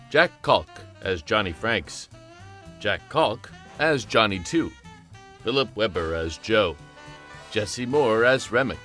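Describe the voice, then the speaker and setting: A man's voice: lowish voice, fairly bright tone. A man reading scripted credits as the announcer of an audio drama, with guitar music behind him.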